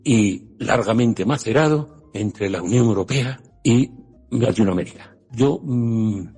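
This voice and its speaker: Gravelly husky man hosting impassioned. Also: lowish voice, takes it slowly, darkish tone, in a large hall, faint music behind. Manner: digressive, many hesitations and restarts. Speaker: program host. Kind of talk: impassioned opinionated introduction. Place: Brussels.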